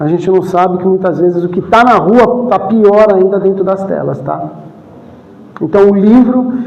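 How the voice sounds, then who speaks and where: Noticeable background noise and audible room echo surround a man's voice. He speaks at a high pitch with ordinary pitch variation. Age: 60s. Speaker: spiritist lecturer. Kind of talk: lecture. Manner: conversational, interacts with audience.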